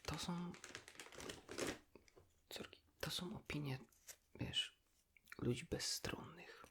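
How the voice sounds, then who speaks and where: Man whispering softly in ASMR. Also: fairly high pitch, steady tone. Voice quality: soft breathy whisper. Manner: hushed, intimate, unhurried, addressing the listener as a friend. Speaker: ASMR creator, host. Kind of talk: whispered ASMR role-play chat with a friend.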